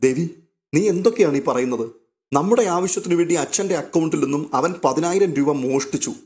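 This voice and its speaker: A man's voice: on the high side, lively intonation, fairly quick, darkish tone, lightly acted. A man reading a remorseful young husband. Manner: pleading, remorseful. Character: guilt-ridden young husband, elder brother.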